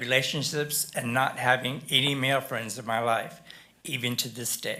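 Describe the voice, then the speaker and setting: A man with an American accent speaks at medium pitch. His intonation is monotone and flat, with noticeable background noise. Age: 60s. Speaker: public commenter at school board meeting. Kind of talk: public comment testimony. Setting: school board meeting.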